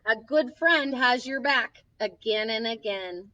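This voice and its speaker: A woman's voice: a little high, takes it slowly, bright, forceful tone. A woman playing Snow White as a sweet, encouraging young princess, hosting a children's story time with sing-song, reassuring delivery, recorded from a distance with slightly dull sound. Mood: warm, encouraging. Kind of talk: children's storytelling, reading a picture book aloud.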